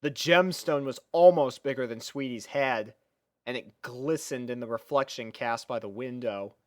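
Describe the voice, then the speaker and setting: A woman's voice: rumbling low, moderate pace, no echo, studio quality. A woman reading a scripted story as its narrator, in storybook style. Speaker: fan fiction narrator.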